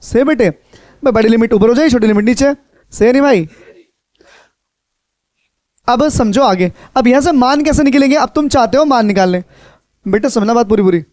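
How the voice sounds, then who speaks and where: High-voiced male maths teacher lecturing. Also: normal speed, pauses often, darkish tone, dry recording. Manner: repeats questions to students, coaxing and instructive. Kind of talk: classroom lecture. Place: classroom.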